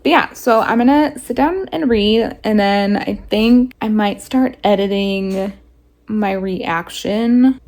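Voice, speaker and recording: Stuffy, rough-voiced young woman vlogging. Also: medium pitch, darkish tone. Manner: rambling, lots of "like" fillers. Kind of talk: casual chat to camera.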